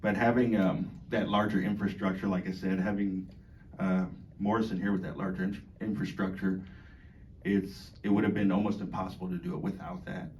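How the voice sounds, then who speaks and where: A man with a deep voice speaks to residents in an unscripted, halting way, filling gaps with ums and restarting his sentences. He sounds distant from the microphone. Faint noise sits underneath. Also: little pitch movement, darkish tone. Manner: halting, many fillers and restarts, laughs between points. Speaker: dining staff member speaking to residents. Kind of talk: informal speech to an audience. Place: community hall. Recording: far from the mic, faint background noise.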